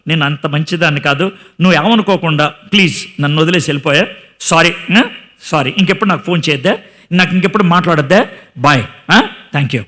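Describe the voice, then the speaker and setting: A man voicing a young person who politely dumps a lover, in a soft, mock-polite, sugary tone. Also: a little high, pitched below the performer's own voice.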